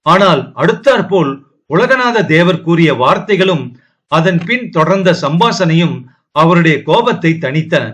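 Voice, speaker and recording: For an audiobook of a historical novel, a male narrator tells the story at a measured pace, steady and dramatic. His voice is somewhat high for a man.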